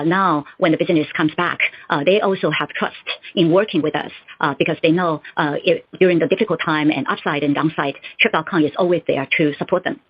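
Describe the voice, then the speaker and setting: A woman executive speaks in a low, husky voice over muffled conference call audio. She answers analysts formally, pausing and halting as she goes. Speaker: company executive.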